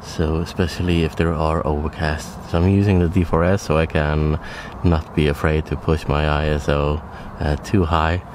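A man's voice: very deep voice, flat delivery, normal speed, hardly any pauses, noisy background. A man in his thirties from Norway, a wildlife photographer talking casually in a vlog from a small forest blind, with many fillers and restarts. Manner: hesitant, many fillers and restarts, hushed at times.

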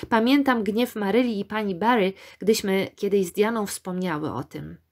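A woman's voice: medium pitch, moderate pace, a little mellow, close to an everyday voice. A woman voicing a dreamy young woman student. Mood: wistful. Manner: wistful, enthusiastic.

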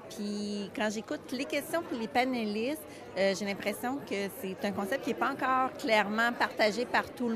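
Older Québécois woman amid conference chatter. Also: on the high side. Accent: Quebec French. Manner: hesitant, thinking aloud with many fillers. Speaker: conference participant. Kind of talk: vox pop interview answer. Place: busy hotel conference hall. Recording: crowd chatter behind.

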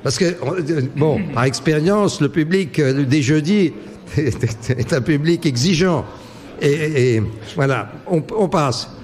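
A man's voice: on the high side, slow pace, a little mellow. A man posing word riddles to a live audience, reading clue words one at a time and bantering with the crowd between puzzles. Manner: reads clue words one by one, then chats and teases the audience.

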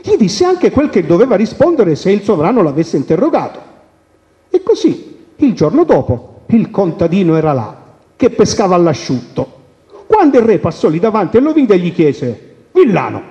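Animated man telling folk tales. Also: high voice, normal speed. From Calabria. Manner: animated, playful. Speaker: storyteller. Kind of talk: folk tale storytelling on radio. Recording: dull radio recording with long reverb.

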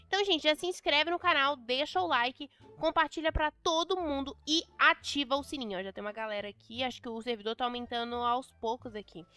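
Bright high-voiced Brazilian woman gamer. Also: fairly quick, hardly any pauses. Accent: Brazilian Portuguese. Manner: chatty, dramatic, playfully exasperated. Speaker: gameplay youtuber. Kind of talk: casual gameplay commentary.

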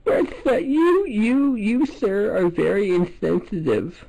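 A man putting on a melodramatic, easily offended gay man who makes a prank phone call, his gravelly voice swinging from mumbling and hesitant to shrill and wailing. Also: big pitch swings, slow, warm tone, heavily acted. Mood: distraught, indignant. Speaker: prank caller.

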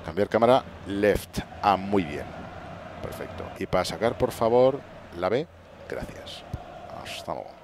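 A man with a fairly low voice narrates his own football game match like a mock sports commentator. He swings from quick muttering to bursts of loud cheering. A faint hiss sits under the home recording. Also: animated. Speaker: gaming channel host. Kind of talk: excited let's-play commentary. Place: home room at night.

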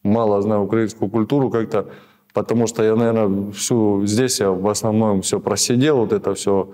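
A man in his thirties, a prisoner of war being interviewed in a small office, answering in halting, rambling sentences full of restarts. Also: fairly low pitch, steady tone, warm tone. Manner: hesitant, rambling, many restarts and fillers.

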